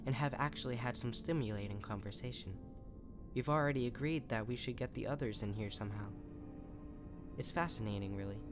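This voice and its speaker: A man's voice: lowish voice, lightly acted. A man voicing a deranged, eager, power-hungry female unicorn pony writing letters, in a chirpy, unhinged manner for a horror story. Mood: gleeful.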